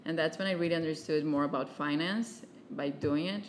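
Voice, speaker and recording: Woman, 30s, Brazilian Portuguese accent, deep voice, chatty, faint background hum. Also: fairly quick. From southern Brazil. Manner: chatty, many fillers, laughs often. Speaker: guest, venture capitalist. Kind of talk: casual interview chat.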